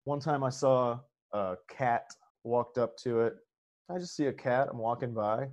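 A man of average pitch talks as a guest on a comedy podcast. His delivery is casual and rambling, with a loose, profane streak. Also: unhurried, a little mellow.

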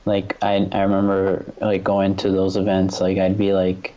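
A man's voice: low voice, monotone, moderate pace, warm tone, dull audio. A man from New York, a photographer, talking earnestly as a guest in a casual conversation, with lots of "like" and "you know".

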